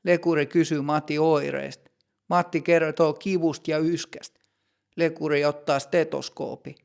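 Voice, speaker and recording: Gravelly, slow-reading man. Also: on the high side, level tone. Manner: slow, clear, deliberate reading. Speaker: language teacher narrator. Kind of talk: scripted narration for learners.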